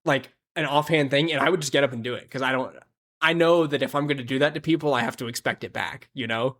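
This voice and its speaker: A man hosting a casual podcast, telling stories in an animated way, laughing often and acting out what people said. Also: medium pitch, fast. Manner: animated storyteller who laughs often and acts out quotes. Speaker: podcast host.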